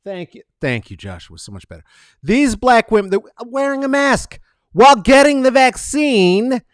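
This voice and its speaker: A man hosting a casual comedic monologue, rambling and profane, animated and full of fillers. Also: very high voice, smooth, dry recording, clean studio sound. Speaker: podcast host.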